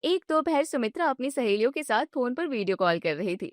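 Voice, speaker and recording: A woman narrating a storybook with even storytelling. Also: on the high side, brisk, no echo, clean studio sound.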